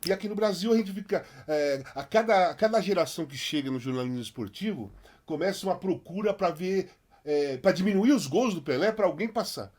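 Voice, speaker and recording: A man's voice: high voice, expressive, fairly quick, darkish tone. A man hosting a podcast, talking animatedly and emphatically in casual chat. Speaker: podcast host.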